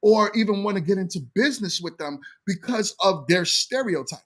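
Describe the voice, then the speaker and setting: A man with a notably high voice argues in a casual podcast chat. He keeps pressing his point and pushing back on the other speakers. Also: expressive, brisk. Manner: argumentative, pushes back. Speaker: podcast co-host.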